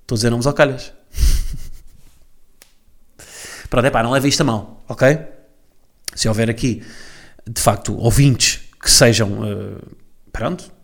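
A man's voice: medium pitch, steady tone, slow pace, gravelly, long pauses. A man with a European Portuguese accent hosting a solo comedy podcast from home, ranting sarcastically and tossing in "right?" after his jabs. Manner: sarcastic, mocking rant with frequent tag questions. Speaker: podcast host. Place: at home, alone.

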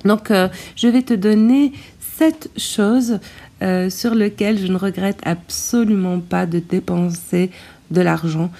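A woman hosting an informal solo podcast, speaking hesitantly with drawn-out pauses, recorded in low quality on a tablet's built-in microphone like a poor stream. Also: steady tone, mellow. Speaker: podcast host. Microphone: tablet's built-in microphone, no proper mic.

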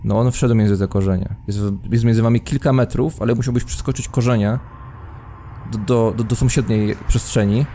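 A man's voice: medium pitch, steady tone, fairly quick, dark tone. A man working as game master, improvising narration for a tabletop role-playing game. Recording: faint background noise.

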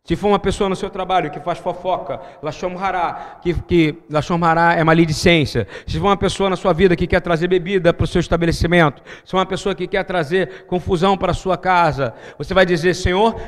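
High-voiced man preaching in a reverberant hall. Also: fairly even intonation, fast talker, few pauses. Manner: emphatic, calls out to the congregation. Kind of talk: sermon.

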